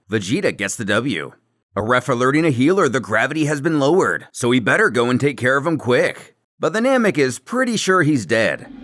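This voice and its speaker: A man narrates a scripted story recap with a wry, dramatic flair. His voice is bright and forceful, and his pitch moves around a lot. Music plays underneath him. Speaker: narrator of a comic recap series. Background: background music.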